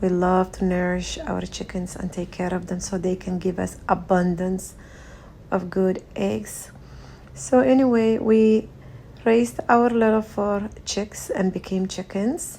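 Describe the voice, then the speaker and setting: A woman's fairly slow voice with a Somali accent and a dark, mellow tone. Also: medium pitch for a woman, ordinary pitch variation. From Somalia. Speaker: homesteader and vlogger. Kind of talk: casual vlog talk while gardening.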